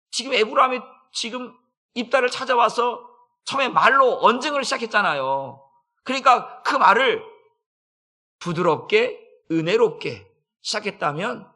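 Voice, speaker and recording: A male pastor preaching a dawn sermon in church, swinging between loud, urgent bursts and soft, low asides. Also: gravelly. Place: church sanctuary.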